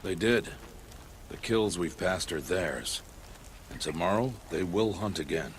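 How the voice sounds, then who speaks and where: An actor playing a stern, solemn middle-aged tribal hunter and mentor in a video game, speaking in a grave, measured, formal way. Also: male voice, low voice, expressive, slight background noise. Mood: grave warning.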